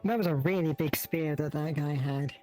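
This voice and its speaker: A man's voice: a little high, normal speed, a little mellow, soft background music. A man chatting casually during a roleplay game, telling events in a loose, rambling way.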